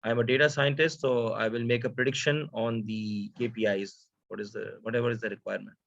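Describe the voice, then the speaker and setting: A man with a South Asian accent giving an informal data science lecture, speaking haltingly with frequent hesitations and rhetorical questions. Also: mid-range voice, fairly even intonation, vocal fry, a bit bright, dry recording. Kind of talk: informal lecture, code-switching. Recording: dull, dry lo-fi audio.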